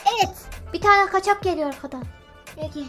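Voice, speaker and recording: High, bright-voiced woman gamer. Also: a little fast, faint music behind. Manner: playful, chatty, jokes at other players. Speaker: gaming YouTuber. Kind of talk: casual gameplay commentary.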